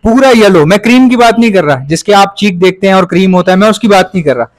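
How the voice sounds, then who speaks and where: Man, Pakistani Urdu accent, pet breeder vlogger, chatty and repetitive, high-pitched, dry sound. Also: fast, dry recording. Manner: chatty, repeats points for emphasis. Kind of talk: casual explanatory vlog.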